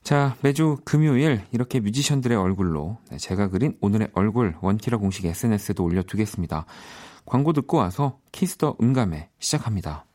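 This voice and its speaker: Male radio host with lively, swinging intonation. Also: lowish voice, a little fast. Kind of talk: casual music radio interview. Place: radio studio. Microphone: studio microphone.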